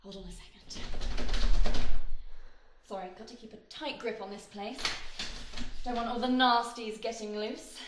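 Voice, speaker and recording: A young woman acting a mysterious, menacing guide in a horror audio play, hushed, commanding and teasing with threats. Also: on the high side, fairly even intonation, moderate pace, pauses often, heavy background noise, close to an everyday voice. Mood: coaxing menace. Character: mysterious menacing female guide in a hellish place. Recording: very echoey binaural recording.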